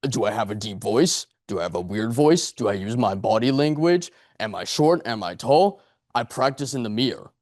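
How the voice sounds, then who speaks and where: A man in his late twenties delivers a motivational speech to a live audience in a meeting room at a speakers club, earnest and rambling, leaning on repetition and rhetorical questions. His voice is fairly low. The recording is dry, with clean studio sound.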